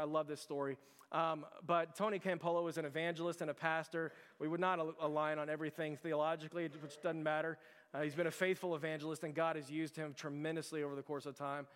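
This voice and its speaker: A man's voice: on the high side, smooth. A man preaching a sermon, telling a story in a conversational, earnest way. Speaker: pastor. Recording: long hall reverb.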